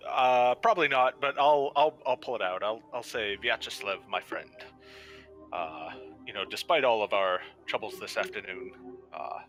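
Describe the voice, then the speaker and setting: A man with a low, bright, forceful voice speaking in formal, stiff character phrasing during a tabletop roleplaying session. Faint music plays behind him. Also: moderate pace. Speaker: player voicing a formal investigator. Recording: music playing underneath.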